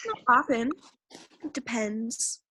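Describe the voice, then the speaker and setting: A woman's voice: fairly high pitch, slow pace, pushed and bright, husky, no echo, full character voice, low-quality recording. A woman playing a smug, territorial mean girl who leads a club, haughty and taunting in a comedy sketch. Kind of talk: comedy sketch staged reading.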